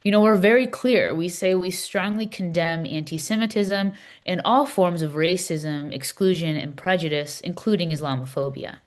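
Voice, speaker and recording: A woman playing an earnest, welcoming Palestinian Christian discussion leader in a readers theater dialogue, speaking in a measured, explanatory way. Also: fairly low pitch, lightly acted.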